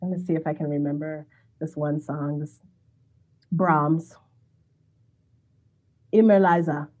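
A woman's voice: low-pitched, steady tone, slow pace, mellow, lo-fi sound. A woman with a big voice, a singer chatting in an interview, hesitant with many fillers and laughs, a little sick. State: sick, not warmed up. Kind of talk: casual interview chat.

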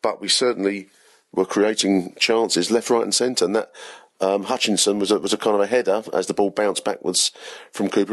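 A hoarse man, hosting a football podcast in a chatty, rambling, self-deprecating solo match review. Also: lowish voice, no room sound.

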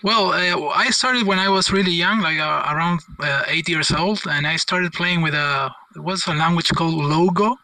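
Podcast guest, man from Argentina, bright tense voice, friendly and hesitant. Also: a little high, moderate pace, hardly any pauses, no echo, low-quality recording. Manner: friendly, laughing, hesitant fillers. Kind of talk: casual interview chat.

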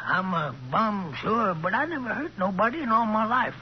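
An actor playing a frightened old hobo in a 1940s radio crime drama, whining and pleading in slangy, ungrammatical speech. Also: male voice, high voice, big pitch swings, moderate pace. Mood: pleading, scared. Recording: muffled, noisy 1940s radio recording.

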